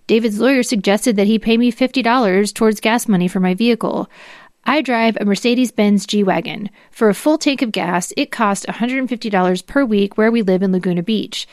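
A woman's voice: medium pitch, a little fast, darkish tone, dry recording, studio quality. A woman podcast host reading legal documents aloud in a formal way, with brief asides.

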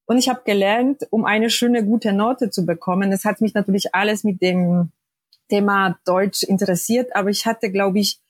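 Husky Polish-accented woman in her forties. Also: mid-range voice, steady tone, moderate pace, no echo. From Poland. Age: 40s. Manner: hesitant, many fillers. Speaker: podcast guest. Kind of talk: personal interview.

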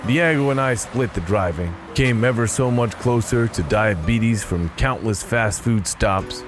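A man narrating an audio drama in the first person with a dry, sardonic manner. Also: fairly low pitch.

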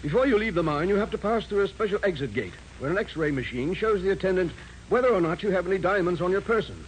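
Polite, official company manager for old radio crime show; quite high male voice, faint hiss. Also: animated, fast talker. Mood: courteous, confident. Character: courteous, businesslike male diamond mine general manager. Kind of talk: 1940s radio acting. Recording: noisy old 1940s radio broadcast.

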